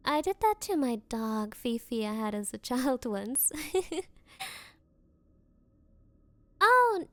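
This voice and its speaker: A woman's voice: sits high, exaggerated voice. A woman playing a bratty, possessive, spoiled rich popular girl in an anime-style ASMR roleplay, with a condescending, coy valley-girl drawl. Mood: sweetly threatening.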